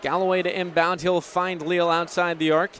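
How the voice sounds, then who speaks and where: Young man, high voice, live basketball commentary, faint crowd and arena noise. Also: little pitch movement, normal speed, fairly bright tone. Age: 20s. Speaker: play-by-play announcer. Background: basketball game crowd.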